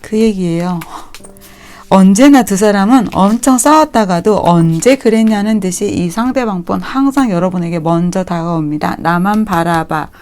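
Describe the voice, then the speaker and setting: A woman giving a tarot reading to viewers in a gentle, reassuring way, sometimes acting out what the people in the cards might say. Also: mid-range voice, lively intonation, normal speed. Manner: gentle, reassuring, acts out quoted lines. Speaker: tarot reader.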